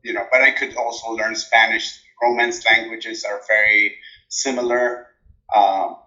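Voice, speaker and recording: A man whose first language is Arabic answers interview questions in a thoughtful, halting way, with frequent fillers and restarts. His voice is bright and forward, and the recording sounds somewhat dull and lo-fi. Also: lowish voice, level tone. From Jordan. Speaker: interview guest, dissertation coach. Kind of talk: relaxed conversational interview.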